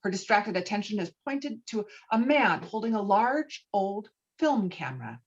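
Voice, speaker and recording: A woman's voice: medium pitch, sing-song, normal speed, slightly rough, muffled recording. A woman reading stage directions as scripted narration for a virtual table read, recorded over an online call. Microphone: online call microphone.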